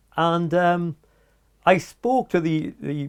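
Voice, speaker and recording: Over a silent background on a very clean recording, a man speaks at a high pitch. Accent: Welsh. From South Wales mining valleys. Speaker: former computer customer, IT manager. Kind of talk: interview, reminiscing. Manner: halting, repeats words.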